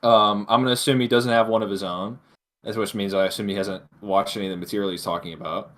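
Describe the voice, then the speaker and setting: Lower-voiced man chatting on a podcast. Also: steady tone, fast talker, a bit bright. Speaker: podcast co-host. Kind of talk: casual opinionated discussion.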